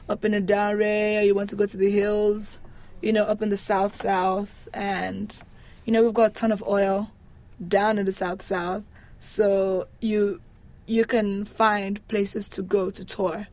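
A woman from Nigeria speaks candidly and informally as an interview guest, animated and given to emphatic repetition. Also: medium pitch, measured pace. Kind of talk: casual conversational interview.

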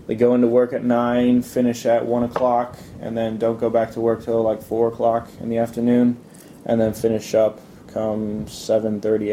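A man from Italy answering casual interview questions in a hesitant, measured way. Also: warm tone. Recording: low rumbling background noise.

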